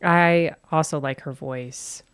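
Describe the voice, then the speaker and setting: Female co-host, low voice, dry sound, relaxed and agreeable. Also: slow, clear, resonant tone, dry recording. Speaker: podcast co-host. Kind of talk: casual chat.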